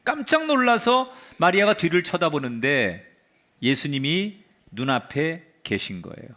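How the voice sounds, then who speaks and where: A man, a pastor, preaching a sermon and retelling a story with drama, his voice sinking to a hush at the end of phrases. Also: fairly high pitch, sing-song, measured pace. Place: church sanctuary.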